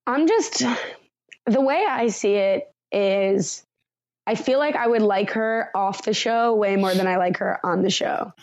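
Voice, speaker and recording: Woman, podcast co-host, casual chat, laughs a lot, middle pitch, dry close sound. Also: unhurried, no echo, lo-fi sound. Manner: laughing, chatty, animated retelling.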